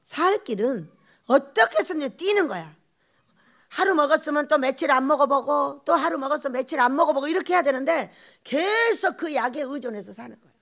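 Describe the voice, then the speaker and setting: Woman pastor, sermon, high voice, very lively intonation, rhetorical questions. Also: fairly quick. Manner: animated preaching with rhetorical questions and laughing asides.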